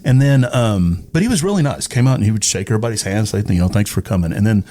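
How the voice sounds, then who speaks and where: A man giving a casual interview as a radio guest, easygoing and a little halting. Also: on the low side, expressive, dark tone.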